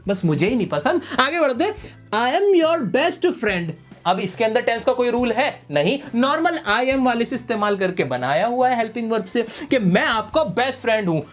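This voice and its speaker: A man teaching English grammar in a lesson video, playfully asking questions and answering them himself. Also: high-pitched. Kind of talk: explaining grammar lesson to camera.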